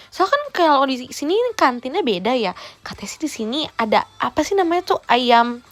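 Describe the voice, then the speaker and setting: A young woman, chatting teasingly in a playful role-play livestream and dropping in English words. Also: sits high. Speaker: idol livestreamer.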